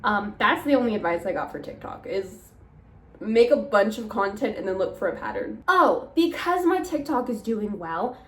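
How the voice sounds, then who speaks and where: A woman's voice: medium pitch, lively intonation, moderate pace, reverberant. A young woman, a small business owner, chatting casually to camera in a rambling vlog with a slightly nasal sound from allergies. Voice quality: chatty, rambling, laughs between phrases. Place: home.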